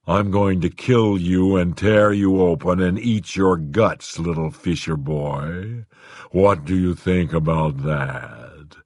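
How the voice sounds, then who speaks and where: A man's voice: sits low, slow pace, a little mellow, no room sound, clean studio sound, voice pushed down, exaggerated voice. A man voicing a hungry, menacing demonic figure in a black suit in an audiobook, speaking in a teasing, petulant, guttural way. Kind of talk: audiobook character voice.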